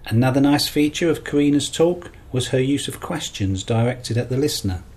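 A man hosting an English-learning podcast, giving measured, scripted feedback on a student's talk. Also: medium pitch, lively intonation, a little mellow, slightly rough. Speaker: podcast host and English teacher. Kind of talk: scripted teaching commentary.

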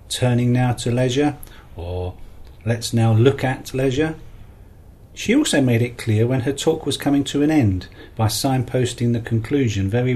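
Husky-voiced male podcast teacher. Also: mid-range voice, darkish tone. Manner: measured, explanatory feedback. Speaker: podcast host and English teacher. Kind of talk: scripted teaching commentary.

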